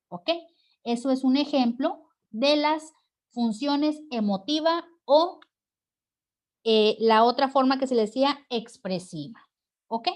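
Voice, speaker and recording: A Mexican woman teaching a class, explaining step by step and often checking with her students. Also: a little high. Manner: explanatory, frequent check-ins with "¿ok?" and "¿sí?". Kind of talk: recorded online class lecture.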